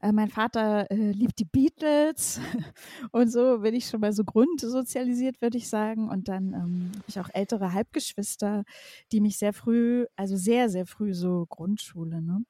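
A woman's voice: medium pitch, moderate pace, mellow, dry recording, clean studio sound, lightly acted. A woman musician guest in a casual interview, talking easily with frequent fillers and small laughs. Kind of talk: casual chat.

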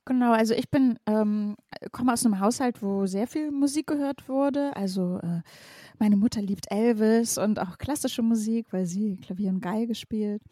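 A woman's voice: medium pitch, normal speed, mellow, no echo, clean studio sound, natural voice. A woman musician guest in a casual interview, talking easily with frequent fillers and small laughs. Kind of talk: casual chat.

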